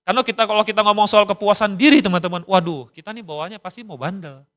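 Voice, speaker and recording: A man's voice: high-pitched, quick pace, a bit bright. A middle-aged man, preaching a casual, slangy youth sermon and acting out quoted voices. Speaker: youth pastor.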